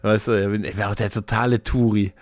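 A man's voice: lowish voice, fast, no echo. Middle-aged man telling anecdotes, dry sound. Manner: animated storyteller, acts out quotes. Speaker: podcast host. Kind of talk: casual anecdotal chat.

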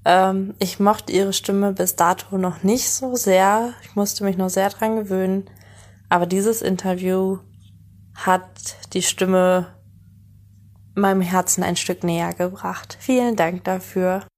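Woman, mid-twenties, very unhurried, monotone, fan message. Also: medium pitch. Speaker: podcast listener, fan.

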